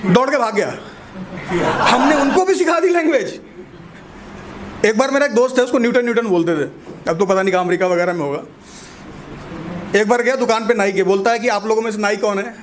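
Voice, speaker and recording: A man with a very high voice works the room in a stand-up set, talking casually and quizzing the crowd. Clear background noise sits under the live stage recording. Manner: chatty, teasing the audience with questions. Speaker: stand-up comedian.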